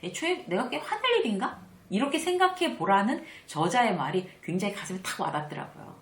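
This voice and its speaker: A woman giving a conversational lecture on workplace manners, acting out the quoted lines in a lively, chatty way. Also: medium pitch, fairly quick, reverberant.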